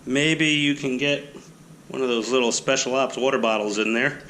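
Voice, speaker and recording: A man's voice: mid-range voice, moderate pace, background noise. A man with a nasal voice rambling casually and self-deprecatingly while unboxing a hobby kit on an action camera. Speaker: hobby channel host.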